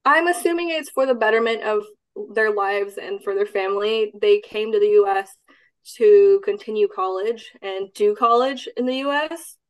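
Relaxed young woman from Texas. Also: mid-range voice, normal speed, rough recording. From Austin, Texas. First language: Cantonese. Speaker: guest. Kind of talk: casual podcast interview.

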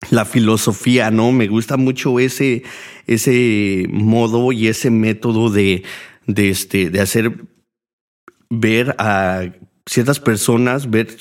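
A man with a Mexican Spanish accent, speaking a bit low. He talks in a loose, rambling monologue full of fillers and swearing, as a podcast host. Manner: profane, rambling, heavy use of fillers. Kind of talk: casual monologue.

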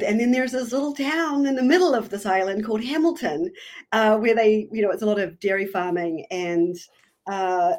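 A woman in her forties from New Zealand with a New Zealand accent, a podcast guest chatting casually, quick to poke fun at herself and laugh. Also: medium pitch, darkish tone. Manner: chatty and self-deprecating, laughs often. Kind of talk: casual interview chat.

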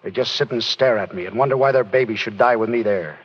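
An actor playing an earnest, emotional young country doctor in an old radio drama. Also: male voice, on the low side, fast talker, husky. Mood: anguished. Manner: earnest, emotional, swinging to despair. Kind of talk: 1930s radio drama acting. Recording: dull old radio broadcast.

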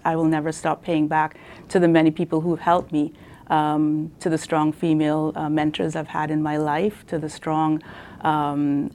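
Low-voiced woman from trinidad, interview guest, earnest, lots of ums and restarts. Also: darkish tone. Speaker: guest, nonprofit CEO. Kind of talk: conversational interview answers.

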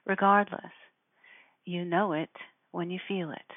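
A woman speaking in a measured, deliberate way, giving spiritual instruction and guided meditation. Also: fairly low pitch, no room sound. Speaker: spiritual teacher guiding listeners. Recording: narrow phone-like sound.

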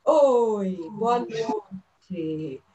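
A woman's voice: medium pitch, lively intonation, very slow, a little mellow, echoey room, recorded from a distance, slight background noise. A woman, a caller chatting casually with the host, amused and agreeable. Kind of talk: casual chat.

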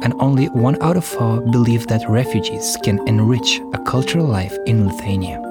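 A man's voice: medium pitch, normal speed. Man narrating over music. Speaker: podcast host. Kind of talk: scripted narration. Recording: music bed underneath.

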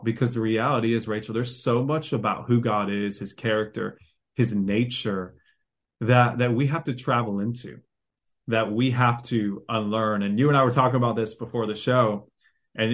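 A man who is a guest author on a podcast, explaining his ideas in an earnest, preacher-like way. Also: fairly low pitch. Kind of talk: conversational podcast interview.

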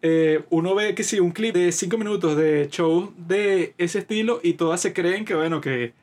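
A man's voice: sits high, moderate pace, darkish tone. A man with a Venezuelan accent chatting casually as a podcast co-host, talkative, slangy and opinionated. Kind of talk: casual chat.

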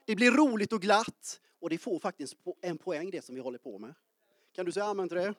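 The speaker is a pastor in his forties whose voice sits high, recorded with no room sound. Preaching in church, he's energetic and playful, cracking jokes and addressing the folks in the pews directly.

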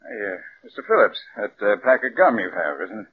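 A fawning, eager sponsor. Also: male voice, on the low side, normal speed, a little hiss or hum. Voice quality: effusive, flattering. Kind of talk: 1940s radio acting. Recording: dull old radio broadcast recording.

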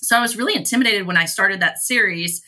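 Very bright-voiced chatty woman. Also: medium pitch, quick pace. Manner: chatty and self-deprecating. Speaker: guest author. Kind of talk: casual podcast chat.

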